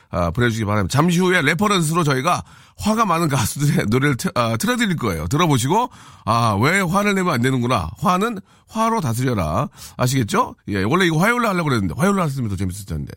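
A man hosting a radio show in casual, joking talk, reading listener messages and sponsor lists, with sudden loud outbursts. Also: medium pitch, very animated, fast talker, hardly any pauses, dry recording, clean studio sound.

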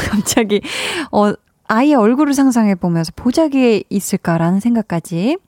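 A woman hosts a radio show, chatting easily and laughing often as she reads out listener messages. Her voice sits at a middling pitch. She is recorded on a close, dry studio mic. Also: expressive, moderate pace, dark tone, no echo. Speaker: radio host.

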